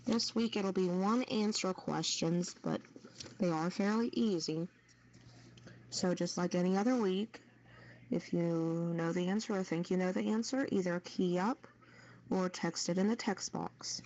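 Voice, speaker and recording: Over dull, noisy, lo-fi voice-chat audio, a quiz host reads out trivia questions live and confirms answers for the players. Her voice is lowish, a little mellow and a little slow.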